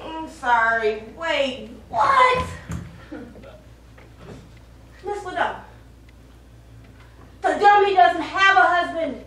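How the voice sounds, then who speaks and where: A woman's voice: very high voice, sing-song, slow pace, bright, forceful tone, full character voice. A woman acting on stage as an exasperated, sarcastic boss figure reasoning with a deluded performer in a comedy play. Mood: baffled, insistent. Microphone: far camera. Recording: very echoey theatre, distant, faint noise.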